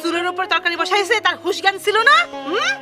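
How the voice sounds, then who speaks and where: An actress playing a sharp-tongued, middle-aged village housewife and mother who scolds in a dialect, quick to anger. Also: extremely high pitch, animated. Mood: scolding. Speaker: mother and wife in a TV serial. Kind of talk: TV drama acting. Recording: background music under the dialogue. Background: music.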